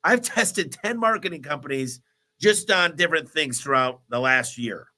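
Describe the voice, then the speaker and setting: A man hosting a live business Q&A, talking in an energetic, motivational, rambling way while congested with a cold. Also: on the high side, moderate pace. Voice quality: stuffy, nasal. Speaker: host of a business Q&A livestream. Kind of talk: live Q&A answering viewer questions.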